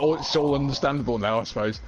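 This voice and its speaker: A man's voice: medium pitch, fast talker, lo-fi sound, music in the background. A man interviewing racers over voice chat in a casual, bantering style. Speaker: co-host interviewer. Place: voice chat from separate remote locations.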